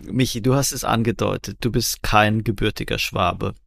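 A man co-hosting a podcast, asking questions in a playful, teasing way with quick asides. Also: lowish voice, gravelly, fairly bright tone, no echo. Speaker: podcast co-host. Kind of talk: casual podcast interview.

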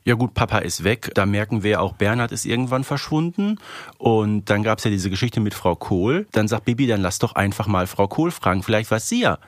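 A man's voice: fairly low pitch, expressive, fairly quick, no echo, clean studio sound. A man co-hosting a podcast, casually talking through and analysing audio dramas. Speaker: podcast co-host.

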